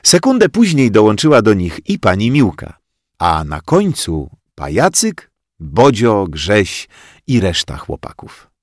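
Brief: low-voiced man narrating a children's story, lively intonation, dry studio sound. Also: no echo. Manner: slow, expressive, plays many voices. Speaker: audiobook reader.

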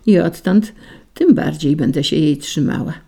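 A woman voicing a calm, dignified female lily in a storybook tale, speaking gravely and firmly. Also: deep voice, moderate pace, exaggerated voice. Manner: grave and firm.

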